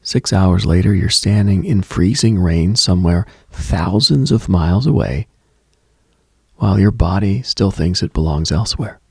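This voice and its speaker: Hushed and brooding, this late-night mystical radio host speaks deliberately, leaving pauses, right up on the mic. His low voice is husky, breathy and gravelly, captured in a dry recording.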